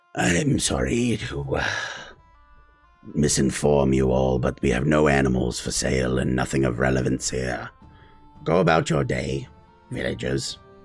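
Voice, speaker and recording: A man puts on a character voice pitched very deep and low. Faint music plays in the background. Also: moderate pace. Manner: dismissive, evasive.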